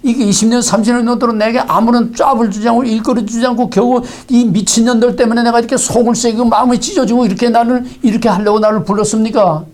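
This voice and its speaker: A man's voice: extremely high pitch, steady tone, fast, hardly any pauses, darkish tone, pitched above the performer's own voice. A man voicing an anguished prophet who pleads with God and accuses him through rhetorical questions. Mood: anguished pleading.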